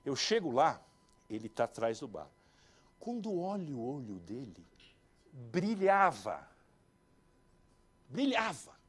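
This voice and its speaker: A middle-aged Brazilian man giving a motivational business talk, telling stories and acting out the dialogue for his audience. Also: on the high side. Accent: Brazilian Portuguese. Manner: animated, acts out dialogue, addresses audience directly.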